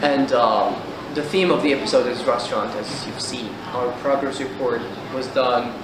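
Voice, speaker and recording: A man's voice: mid-range voice, moderate pace. A man co-hosting a casual language-learning chat, chatty and laughing often. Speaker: co-host. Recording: echoey room, far mic, noisy.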